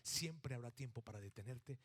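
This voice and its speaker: A middle-aged man from Mexico with a Mexican accent, preaching a sermon with animated storytelling that swings from acted-out shouts to hushed emphasis. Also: mid-range voice, normal speed. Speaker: pastor.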